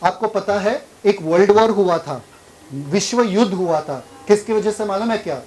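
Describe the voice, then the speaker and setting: Pastor leading a sermon, keeps quizzing the congregation. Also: male voice, sits high, moderate pace, a little mellow, rough recording. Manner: questions the congregation and drives for answers.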